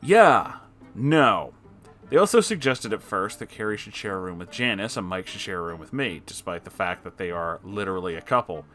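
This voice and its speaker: Male story reader, low register, stops for disgusted asides, soft music bed. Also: expressive, normal speed. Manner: breaks off with disgusted reactions. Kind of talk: reading an online post aloud with comments.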